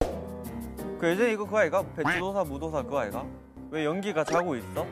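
Music can be heard behind the man. His pitch swings very widely as he talks at a fairly quick pace. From Daegu, Gyeongsang region. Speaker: K-pop idol singer. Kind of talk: casual variety show talk.

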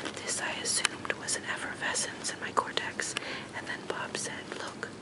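At a fairly slow pace, the speaker whispers. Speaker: reader. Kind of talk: whispered reading aloud for relaxation. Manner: soft-spoken, hushed whisper; slow, calm, dreamy pace. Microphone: phone near.

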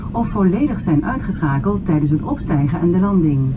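Noticeable background noise runs through the clip. The speaker is a woman. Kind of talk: safety announcement. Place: plane.

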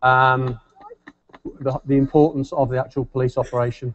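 A man with a Birmingham accent speaks at a moderate pace. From West Midlands, England. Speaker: police officer; keynote presenter. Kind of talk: keynote presentation. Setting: stage with audience. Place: hall. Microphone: podium.

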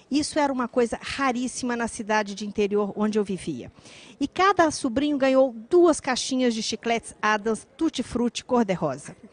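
The recording sounds dry, with no echo. A woman speaks at a high pitch with lively intonation. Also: moderate pace. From Brazil, Minas Gerais (Lagoa Santa); Minas Gerais, Brazil. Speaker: storyteller sharing a personal memory. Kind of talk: personal storytelling. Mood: nostalgic, gently humorous. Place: booth. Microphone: handheld.

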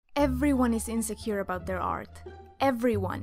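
A woman's voice with music in the background. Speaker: artist. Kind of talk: scripted voice-over for art video.

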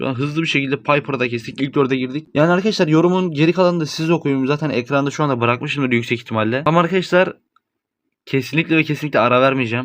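A man talks at a very fast pace with a fairly high pitch. His pitch varies in an ordinary way against a quiet background. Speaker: gaming youtuber. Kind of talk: gameplay commentary. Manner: animated.

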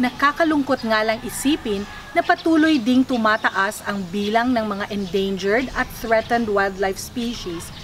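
Noticeable background noise sits behind a woman who speaks at a moderate pace. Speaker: TV show co-host. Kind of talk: presenter intro narration. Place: forest.

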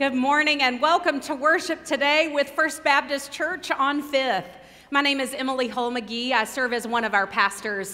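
Bright, sharp tone comes through as a woman speaks in a raised, projected voice. She keeps a moderate pace with ordinary pitch variation. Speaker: pastor. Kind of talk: worship welcome announcement. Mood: warm, welcoming. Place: church.

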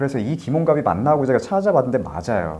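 A man speaks very fast. Behind him, things are quiet. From South Korea. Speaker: music critic and former music journalist; former music journalist. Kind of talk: interview. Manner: articulate. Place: studio. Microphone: lapel.

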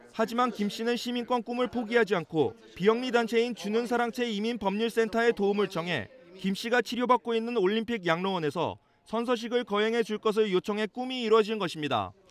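A high-pitched male voice at a fairly quick pace, ordinary pitch variation, over noticeable background noise. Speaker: news reporter. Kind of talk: TV news report narration.

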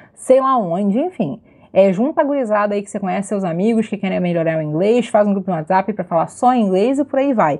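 At a very fast pace, a woman speaks with lively intonation and a dark, mellow tone over a quiet background. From Brazil. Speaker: YouTuber. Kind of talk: casual vlog. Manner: informal. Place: home room. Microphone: lapel.

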